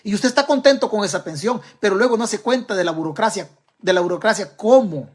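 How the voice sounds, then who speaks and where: A man's voice: high voice, expressive, fast, darkish tone. A man with a Salvadoran accent giving political commentary to camera, emphatic and firing rhetorical questions straight at his audience. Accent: Salvadoran Spanish.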